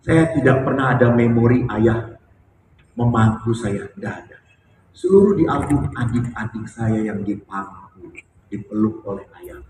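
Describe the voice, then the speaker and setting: Catholic priest preaching in an echoey hall. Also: male voice, medium pitch, a little slow, a little hiss or hum. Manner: joking with the congregation, then soft and heartfelt. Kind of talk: humorous storytelling homily. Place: church or hall before a congregation. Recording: echoey hall, speaker far from mic.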